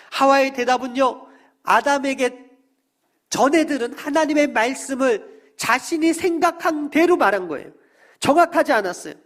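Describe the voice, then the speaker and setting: The speaker pauses long and often. Pitch varies in an ordinary way. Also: man, extremely high pitch for a man. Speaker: pastor. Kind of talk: sermon. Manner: fast.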